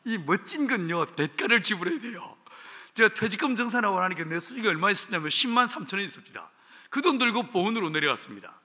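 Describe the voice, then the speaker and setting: A male pastor with a Gyeongsang accent preaching a revival sermon, telling stories with animated humor. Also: high-pitched, fast talker, slightly rough. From Jinju, South Korea. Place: church sanctuary. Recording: reverberant church hall.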